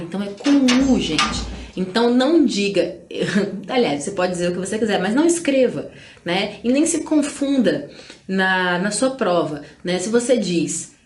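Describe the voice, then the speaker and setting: A Brazilian woman from Espírito Santo teaches an exam-prep lesson at a slow, easy pace, her voice sitting a little high. She keeps checking in with her listeners and drops playful asides. The room around her is echoey. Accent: Brazilian Portuguese, Espírito Santo. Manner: chatty, frequent tag questions, playful asides.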